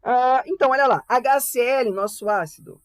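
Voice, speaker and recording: A man's voice: extremely high pitch, moderate pace, smooth, no room sound. Chatty young Brazilian man tutoring online. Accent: Brazilian Portuguese. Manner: chatty, frequent tag questions, playful asides. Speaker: volunteer chemistry tutor. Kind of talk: casual online class.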